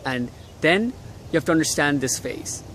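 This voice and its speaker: Faint traffic hums as a young Bangladeshi vlogger talks outdoors in the cold city, giving casual motivational advice with blunt language and free swearing. He speaks expressively at normal speed, his voice a bit bright and slightly higher than most men's.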